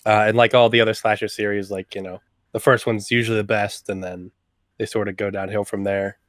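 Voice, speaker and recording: A man's voice: fairly low pitch, little pitch movement, brisk, no room sound, studio quality. A young man from West Virginia, chatting as a podcast guest in a rambling, enthusiastic way. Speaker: guest, slasher fan. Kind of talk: casual podcast chat.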